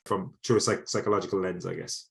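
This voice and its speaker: A man's voice: low voice, level tone, quick pace, vocal fry. A man with an Irish accent, a sports psychology lecturer answering interview questions in a casual, conversational way, often restarting and repeating words. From Ireland.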